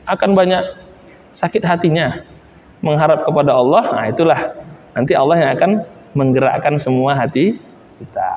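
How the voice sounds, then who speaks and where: A man gives a sermon, his voice sitting high as he tells animated stories. The sound rings around a roomy hall with a long reverb tail, and faint ambience sits underneath. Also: dull audio, slight background noise. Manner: animated storyteller who acts out quoted voices. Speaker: ustadz preacher. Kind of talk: sermon with storytelling.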